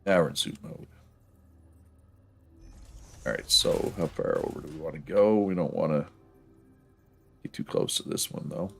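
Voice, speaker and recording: Streaming a factory-building game, a man talks at a normal speed in a rumbling low voice with vocal fry and long pauses, over a faint hiss or hum. He's stuffed up, laughs frequently, and keeps his gameplay commentary loose and thought-out-loud.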